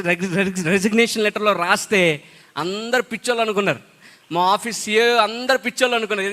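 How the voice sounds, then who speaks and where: A man's voice: sits high, pushed and bright, big-room sound. A man giving a fervent testimony sermon to a youth rally and exhorting the crowd. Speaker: preacher.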